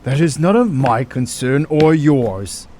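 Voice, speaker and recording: A man's voice: medium pitch, lively intonation, takes it slowly, dark tone, a little hiss or hum. Stern, reproachful male hospital doctor played by an actor. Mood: stern, indignant. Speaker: voice actor in an audio drama. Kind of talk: audio drama acting.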